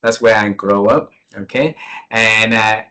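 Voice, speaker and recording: A man's voice: fairly low pitch, steady tone, measured pace, sharp tone. A man in his forties from Vietnam hosting an interview over a call, speaking English with many fillers and restarts. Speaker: interview host.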